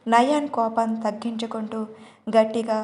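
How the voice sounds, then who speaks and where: A woman's voice: on the high side, steady tone, normal speed, a little mellow. A woman reading a romance audio story aloud as narrator. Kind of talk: scripted narration.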